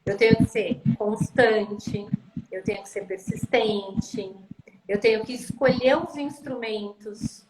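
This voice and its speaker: A woman's voice: mid-range voice, fairly even intonation, slow pace. A woman speech therapist talking about parenting on a live stream over a video call, emphatic and repeating phrases for stress. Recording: echoey room with loud background noise.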